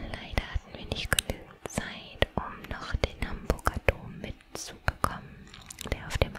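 Whispering at a fairly slow pace, a woman comes through over noticeable background noise. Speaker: ASMR creator. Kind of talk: ASMR travel vlog voiceover. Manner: whispered.

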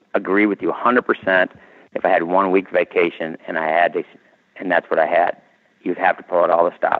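A man speaks with an American accent. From northern Minnesota. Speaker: hunting TV show host. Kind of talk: casual chat.

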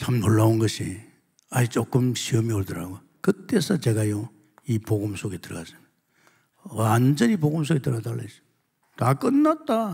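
Against a quiet background, a man speaks with lively intonation in a somewhat breathy voice, leaving long, frequent pauses. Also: moderate pace. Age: 80s+. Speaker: pastor. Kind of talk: sermon. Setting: church. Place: church. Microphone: handheld.

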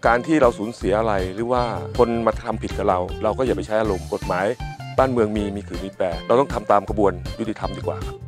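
A man's fairly low voice, dry with no echo, over clear music in the background. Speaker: voice actor. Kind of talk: interview answer. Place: home room. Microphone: lapel.

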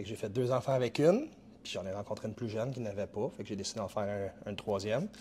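With light background noise behind him, a man speaks very fast in a somewhat breathy, dark, mellow voice of fairly low pitch. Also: ordinary pitch variation. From Quebec. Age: 40s. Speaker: entrepreneur, networking group cofounder; podcast guest. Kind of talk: casual interview. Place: studio. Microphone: lapel.

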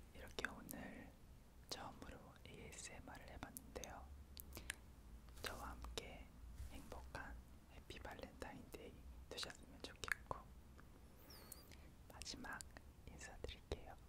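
A soft-spoken man at a fairly slow pace, with long, frequent pauses and loud background noise. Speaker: streamer. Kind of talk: casual stream chat, closing remarks. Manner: soft, hushed ASMR speaking voice. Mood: cheerful, warm. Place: studio. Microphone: studio mic.

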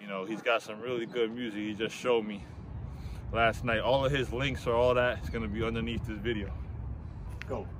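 Speaking in an American accent at a fairly quick pace with long, frequent pauses and ordinary pitch variation, a man sounds dry with no echo, though background noise is noticeable. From Florida. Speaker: calisthenics trainer. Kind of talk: workout vlog. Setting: outdoors. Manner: casual. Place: garden.

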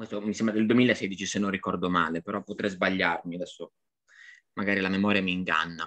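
Fairly quick and with fairly even intonation, a man speaks in a very deep, low pitch. His tone is bright and sharp. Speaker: researcher. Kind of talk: academic presentation. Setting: video call.

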